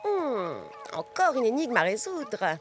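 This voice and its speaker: A woman voicing a spirited, inquisitive young girl in a children's cartoon, with an animated, dramatic way of talking. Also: fairly high pitch, takes it slowly. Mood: thoughtful. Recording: background music under the dialogue.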